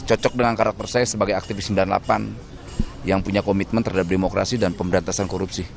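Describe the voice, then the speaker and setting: A man's voice: low voice, fairly even intonation, very fast, creaky, a little hiss or hum. A man answering reporters in casual, blunt, joking slang at a doorstop interview. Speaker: political appointee speaking to press.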